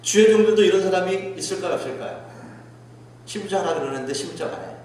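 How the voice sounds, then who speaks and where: A man's voice: high voice, lively intonation, fast, darkish tone, very echoey, far from the mic, a little hiss or hum. A man preaching a sermon as pastor, dramatic, acting out quoted speech in a raised voice. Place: church sanctuary.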